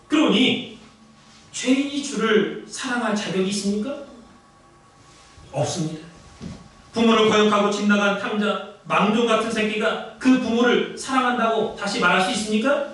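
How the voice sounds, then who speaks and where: A man's voice: high-pitched, fairly even intonation, moderate pace, a bit bright. A man with a Korean accent preaching a sermon as the pastor, telling the story emphatically and dramatically. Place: large church sanctuary. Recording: very echoey church hall, distant mic.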